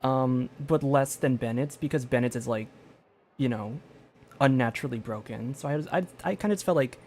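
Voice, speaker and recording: A man's voice: medium pitch, normal speed, darkish tone, slight background noise. Rambling, casual man streaming a game. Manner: rambling, hesitant, frequent "like". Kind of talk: casual livestream commentary.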